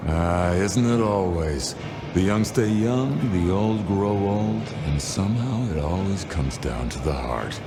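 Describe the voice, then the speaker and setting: Low, wry underworld proprietor. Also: male voice, animated, over music. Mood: wry greeting. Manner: wry, unhurried, folksy slang. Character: unflappable male underworld venue keeper, discreet, wry vampire. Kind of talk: noir video game dialogue.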